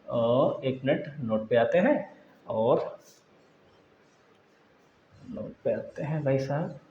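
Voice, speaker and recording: A man's voice: medium pitch, lively intonation, takes it slowly, roomy sound, phone-quality sound, slight background noise. A man teaching an exam-prep grammar lesson, explaining patiently and often repeating key points to his students.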